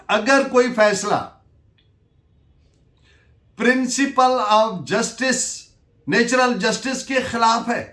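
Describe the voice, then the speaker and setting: Pakistani guy lecturer, really high voice, slow n deliberate, emphatic, echoey room. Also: fairly bright tone. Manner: deliberate and emphatic, switching between Urdu and English. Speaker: law lecturer. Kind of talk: lecture dictating case citations and explaining legal principles.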